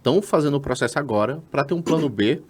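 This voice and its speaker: A Brazilian man with a Brazilian Portuguese accent co-hosts a casual podcast. He talks quickly at a mid pitch and walks through the steps one by one, with plenty of fillers. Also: animated, breathy edge. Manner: chatty, explains step by step with many fillers. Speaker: podcast co-host.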